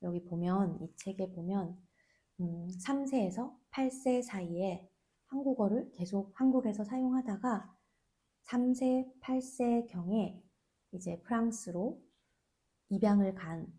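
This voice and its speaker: A woman hosting a Korean-learning podcast, explaining a book in a soft, thoughtful way and asking listeners questions. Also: medium pitch, slow. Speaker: Korean teacher and podcast host.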